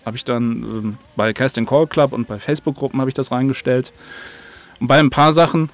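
A man from Germany with a mid-pitched voice speaks as a guest in a relaxed interview. His talk is colloquial and rambles loosely from one thought to the next. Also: fairly quick. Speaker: audio drama maker, interview guest. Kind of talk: casual chat.

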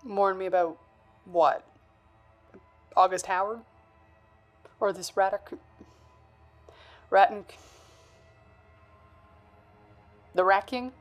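A woman's voice: mid-range voice, steady tone, slow pace, long pauses, soft background music, lightly acted. A woman playing a tough, skeptical character in a noir audio drama, speaking in a dry, curt, sardonic way. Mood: wary.

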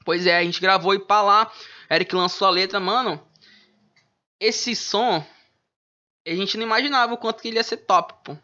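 A man chats as a rapper guest in laid-back street slang. His voice is bright and forceful. The recording sounds dull and lo-fi. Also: high voice, normal speed, pauses often. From Manaus, Brazil. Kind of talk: casual interview chat. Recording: dull lo-fi audio.

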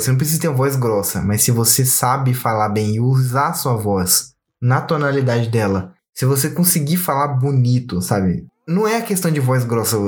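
A man with a Brazilian accent, chatting casually as a podcast co-host, slangy and animated, often mimicking voices for a joke. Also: medium pitch.

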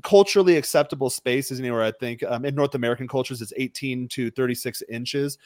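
A man, a dating coach and podcast guest, explains his methods in a measured, lecturing way. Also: mid-range voice, a little mellow, no echo, clean studio sound. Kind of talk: podcast conversation.

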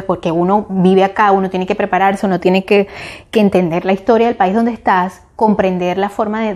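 A middle-aged woman from Venezuela with a Venezuelan accent, talking casually in a reflective monologue, often restarting and searching for words. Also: mid-range voice. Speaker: vlogger.

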